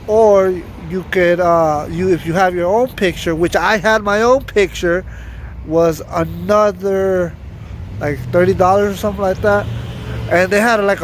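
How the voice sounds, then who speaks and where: An American man giving a casual, halting vlog recap, restating himself informally as he goes. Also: sits high, slight background noise. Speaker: vlogger.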